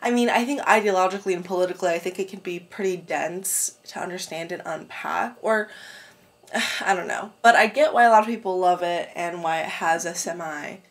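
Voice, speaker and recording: A book vlogger with a fairly low, brisk voice and a clogged-up throat chats casually at home about books she's read. She rambles, laughs, and swears freely while giving a relaxed book review in a room with the window open.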